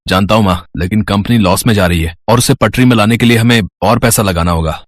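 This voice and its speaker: A man's voice: fairly low pitch, fast, no echo, natural voice. A man playing a spoiled, arrogant rich young son in a dramatised story, entitled and mocking, dropping in English words. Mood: insistent. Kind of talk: dramatised Hindi story acting.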